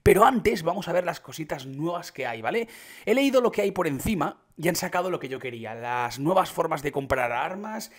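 A young man with an accent from Spain, reacting to a game update and talking it through for his viewers, keeping his voice down late at night until excitement breaks through. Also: fairly high pitch, fairly quick. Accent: Spain Spanish. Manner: hushed and restrained, bursting into excited exclamations. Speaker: gaming youtuber.

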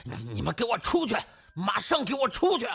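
A man's voice: high-pitched, huge pitch swings, normal speed, creaky, a bit bright, breathy edge, voice pushed up, exaggerated voice. A man voicing an irate hospital director in an audiobook, barking orders. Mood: angry.

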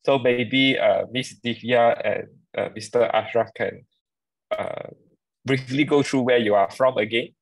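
A man's voice: lowish voice, creaky, no room sound, low-quality recording. Male moderator, polite, hesitant, dry video-call sound. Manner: polite, hesitant, many fillers. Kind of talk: moderating a webinar Q&A.

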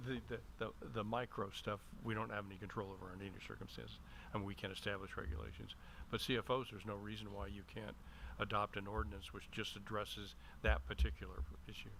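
A man speaking in a measured, lawyerly way as he gives formal but halting remarks at a public meeting. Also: lowish voice, level tone, gravelly, a bit bright. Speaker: city attorney. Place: indoor council meeting room. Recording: noisy room public-meeting microphone.

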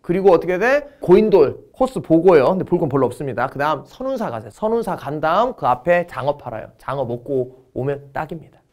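A middle-aged man teaching an exam-prep history lecture, playful and animated, acting out little skits to help students memorize. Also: a little high, fairly quick.

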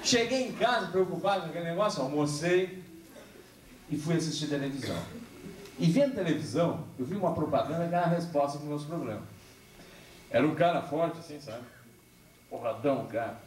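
A man gives a lively public talk to a young audience, holding a handheld microphone and acting out dialogue as he tells stories. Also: fairly high pitch, fairly quick. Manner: animated storyteller, acts out dialogue, gestures. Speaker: public speaker on alcohol and drugs. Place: large hall with a seated audience. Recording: echoey hall, camcorder recording.

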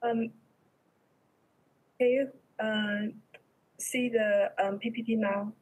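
A young woman with a Chinese accent giving an academic presentation over a video call in a halting, hesitant way. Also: on the high side, steady tone, darkish tone, low-quality recording. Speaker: research presenter.

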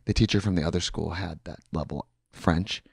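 A man in his thirties co-hosting a casual podcast chat, playful and quick with quips. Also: deep voice, gravelly, slightly rough, dry recording, studio quality. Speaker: podcast co-host. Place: small decorated studio indoors. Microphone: handheld mic.

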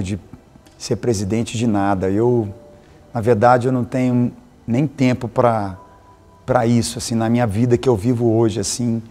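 Earnest man, mid-pitched and hesitant. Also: dark tone. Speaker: church minister. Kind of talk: documentary interview.

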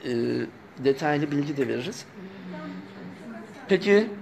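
A man leading a live seminar session, calmly repeating back what participants say. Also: fairly high pitch, measured pace, vocal fry, a crowd in the background. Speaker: seminar leader.

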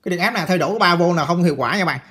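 A man's voice: high-pitched, animated, very fast, pushed and bright. A man giving a casual hands-on electronics repair tutorial, chatty and repeating phrases as he talks to viewers.

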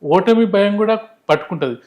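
Male political analyst, brisk delivery, emphatic and explanatory, unscripted. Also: sits high, expressive, darkish tone. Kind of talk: unscripted political commentary in an interview.

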